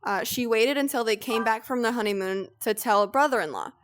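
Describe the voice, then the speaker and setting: Animated young woman reading posts aloud. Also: a little high, brisk. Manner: animated storytelling, swears freely. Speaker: streamer, co-host.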